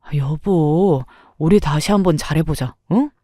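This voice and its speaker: A woman's voice: low voice, unhurried, mellow, dry recording, clean studio sound. A woman voicing a shameless husband who makes excuses and pleads in a wheedling way.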